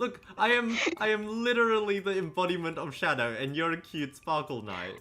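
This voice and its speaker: With music in the background, a man speaks at a moderate pace in a high voice whose pitch swings very widely. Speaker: vtuber streamer. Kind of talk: casual chat. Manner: animated.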